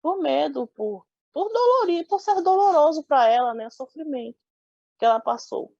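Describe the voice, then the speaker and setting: A woman's voice: high voice, big pitch swings, moderate pace, creaky, a little mellow, no echo, lo-fi sound. A young woman from Salvador, giving an oral history interview and speaking thoughtfully with frequent restarts. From Salvador, Bahia, Brazil. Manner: thoughtful, many restarts and filler "né".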